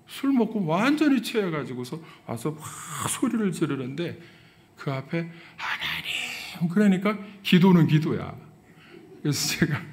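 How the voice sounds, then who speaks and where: A middle-aged man, a pastor, preaching a sermon and telling a story, his voice swinging from soft to loud. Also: on the high side.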